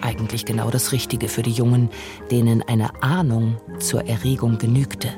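A man narrating a literary radio play in a measured, calm way. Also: mid-range voice, music in the background.

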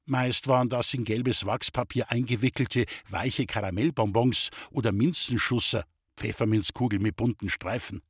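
Husky man reading his memoir. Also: mid-range voice, no room sound, clean studio sound. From Bavarian Forest, Germany.

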